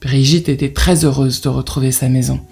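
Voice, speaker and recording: A storyteller with a husky, mellow voice narrates a children's fairy tale. Soft music plays behind the narration. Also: medium pitch, fairly even intonation, fairly quick.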